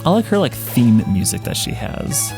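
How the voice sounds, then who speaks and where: A man's voice: mid-range voice, very animated, normal speed, gravelly. A man hosting a let's play with casual, chatty commentary on the game. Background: game music.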